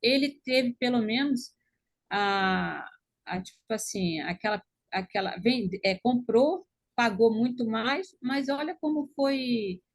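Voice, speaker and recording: A woman's voice: a little high, slow, no echo. A woman in a study group discussion, hesitant and searching for words.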